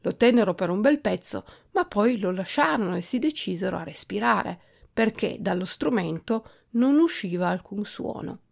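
A woman reading a children's storybook aloud with an expressive, animated delivery. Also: mid-range voice, moderate pace, creaky. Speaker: podcast host reading aloud.

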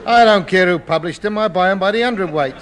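A man's voice: high voice, quick pace, noisy background, lightly acted. A man playing a wily junk dealer. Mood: haggling. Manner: wheedling, street-trader patter. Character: wily, haggling rag-and-bone man. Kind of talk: 1950s radio sitcom acting.

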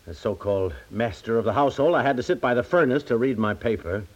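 A man plays a stubborn, wounded husband in a 1950s radio comedy. He is indignant and repetitive, stammering in a middling-pitched voice. The recording is old and slightly dull. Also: fast, close to an everyday voice. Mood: aggrieved. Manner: indignant, stammering, repeats himself.

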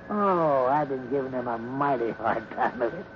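A man playing a folksy cowhand with ungrammatical cowboy talk in a 1950s radio western. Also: medium pitch. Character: chuckling, scheming folksy cowhand. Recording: muffled, noisy 1950s radio recording.

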